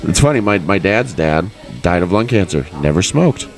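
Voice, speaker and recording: A man hosting a casual interview, chatty and agreeable, quick to joke and laugh. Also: deep voice, big pitch swings, soft background music. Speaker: podcast host. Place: busy tattoo expo floor. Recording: loud crowd noise around. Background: loud crowd chatter.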